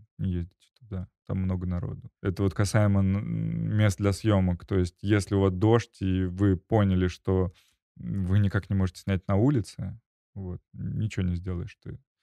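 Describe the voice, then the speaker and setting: A man speaks at a moderate pace in a very deep, low pitch with a dark, mellow tone and ordinary pitch variation, recorded dry with no echo against a quiet background. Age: 30s. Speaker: wedding photographer; guest. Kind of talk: casual chat. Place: studio. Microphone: studio mic.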